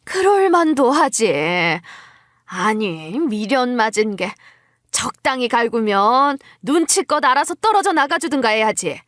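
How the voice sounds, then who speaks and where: A woman voicing a scheming, scornful older mother-in-law in a dramatized story, nagging with drawn-out emphasis. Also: fairly high pitch, animated, fairly bright tone, no room sound, studio quality.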